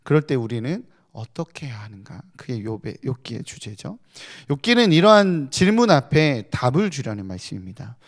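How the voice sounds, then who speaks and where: A man's voice: mid-range voice, very animated, normal speed, hardly any pauses. A male pastor giving a conversational sermon at a night prayer meeting, explaining scripture in a chatty way and asking rhetorical questions.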